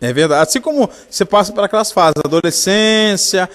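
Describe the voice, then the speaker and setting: A man with a Brazilian Portuguese accent hosts a radio health segment. His voice sits high for a man, and he keeps the chat upbeat and friendly. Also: fairly quick, fairly bright tone. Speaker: radio show host. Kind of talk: casual radio interview.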